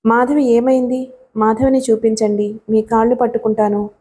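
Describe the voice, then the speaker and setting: Audiobook: woman reading a scared, pleading young wife, mellow and a bit high. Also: little pitch movement, moderate pace, husky. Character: frightened, desperate young wife and mother.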